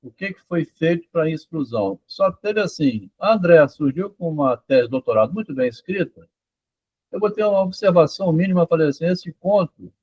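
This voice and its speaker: A man's voice: on the high side, animated, normal speed, a little mellow, slightly rough, no echo, rough recording. A man talking casually, rambling and checking in with "tá?" and "né?" as he goes. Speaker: author discussing his doctoral thesis. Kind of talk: casual conversation about psychoanalysis and literature.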